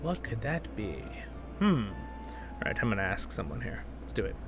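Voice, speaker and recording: A man hosting a gaming video with casual, excitable commentary, talking half to himself and half to his viewers. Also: lowish voice, normal speed, music in the background. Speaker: gaming channel host. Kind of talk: casual gameplay commentary, with expressive story reading.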